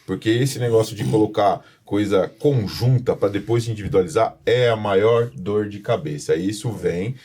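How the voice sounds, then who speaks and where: A Brazilian man from São Paulo hosts a podcast in a low, husky voice. His tone is mellow, and he talks informally, repeating phrases as he addresses the audience. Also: normal speed, few pauses. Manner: informal, repetitive, addresses viewers directly. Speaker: podcast host, professional condominium manager. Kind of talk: conversational podcast presenting.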